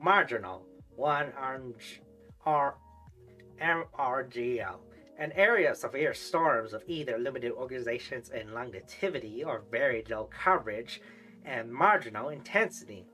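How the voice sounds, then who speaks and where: A woman reading weather definitions aloud on a livestream, halting and correcting herself as she goes. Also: rumbling low, animated, fairly bright tone, faint music behind. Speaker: streamer practicing reading.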